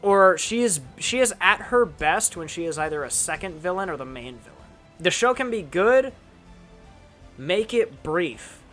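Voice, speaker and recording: A man's voice: high voice, animated, measured pace, a bit bright, soft background music. A young man hosting a casual chat, rambling with lots of fillers and restarts. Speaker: channel host.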